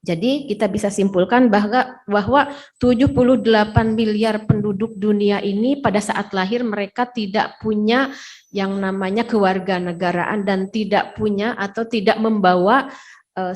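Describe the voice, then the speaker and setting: A woman's voice: mid-range voice, steady tone, normal speed, a little mellow. Woman interpreting over a video call. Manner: rephrasing with frequent hesitation fillers. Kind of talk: consecutive interpreting.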